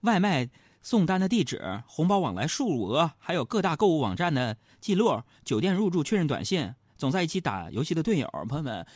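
A man's voice: on the high side, sing-song, a little fast, slightly rough, no echo, studio quality. A middle-aged man, hosting a comic storytelling monologue. He is chatty and teasing and keeps asking his audience rhetorical questions. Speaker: comedy talk show host.

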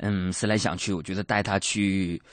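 A man's voice: sits low, little pitch movement, moderate pace, heavy background noise. A young man performing a stand-up comedy monologue, telling chatty stories with colloquial asides and self-mocking punchlines.

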